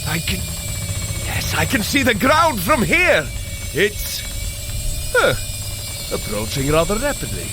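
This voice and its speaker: An actor playing a hearty, loyal warrior god and brother in an audio drama, with earnest, declamatory, formal speech. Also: male voice, high voice, huge pitch swings, slow, pauses often, heavily acted. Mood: wary, amazed. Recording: loud storm and vehicle-like noise behind.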